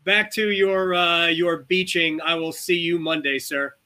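A man's voice: fairly high pitch, steady tone, a little slow, bright, forceful tone, clean tone. A man hosting a sports podcast in a casual, chatty style.

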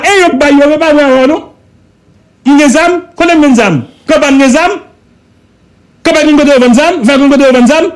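A man with a Haitian accent holds forth on a radio talk show, his voice pitched strikingly high. He hammers each point with repetition and rhetorical questions, giving fervent political commentary. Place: radio studio.

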